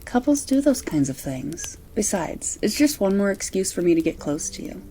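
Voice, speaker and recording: Mellow, affectionate girlfriend played by a woman. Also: mid-range voice, sing-song, normal speed, slight background noise, natural voice.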